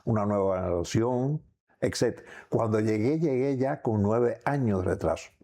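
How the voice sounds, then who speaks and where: An older man with a Cuban accent, giving reflective personal testimony as an interview guest, in halting, rambling phrases. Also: lowish voice, mellow. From Cuba. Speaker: interview guest recounting memories.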